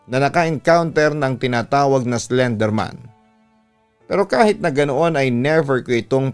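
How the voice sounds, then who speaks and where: A man's voice: mid-range voice, clear, resonant tone. Male storyteller over background music. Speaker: radio storytelling host reading a listener's letter. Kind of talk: dramatic scripted narration of a first-person horror story.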